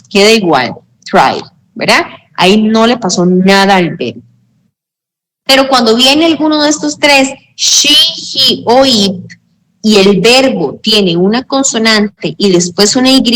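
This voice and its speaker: A woman teaching English grammar in a slow, patient way, often checking that students follow. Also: medium pitch, fairly bright tone, rough recording. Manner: slow, patient explaining with frequent check-ins. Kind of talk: online tutoring lesson.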